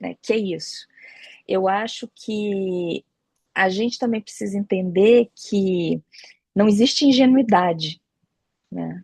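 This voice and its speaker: Dry and close with no echo, the recording captures a woman speaking at a very slow pace with a medium pitch, ordinary pitch variation, a somewhat breathy quality and long, frequent pauses. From Brazil, Ceará countryside. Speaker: geography professor, author. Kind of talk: interview conversation. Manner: articulate, academic.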